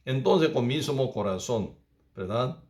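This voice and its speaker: A man preaching a Bible study as a pastor, speaking with halting phrasing, repeating himself and often adding tag questions. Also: medium pitch, lively intonation, darkish tone. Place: church.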